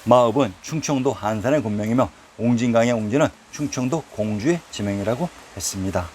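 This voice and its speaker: A man reading a formal lecture on old place names, reciting quotations from historical texts at a steady, even pace. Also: medium pitch, brisk, slight background noise. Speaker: narrator of a history lecture series. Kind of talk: read-aloud historical lecture.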